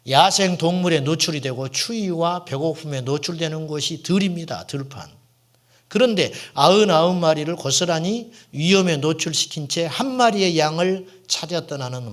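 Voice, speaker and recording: A middle-aged male pastor preaching a sermon to his congregation, asking questions and answering them himself, and sometimes dropping to a hushed whisper for emphasis. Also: a little high, expressive, normal speed. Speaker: senior pastor.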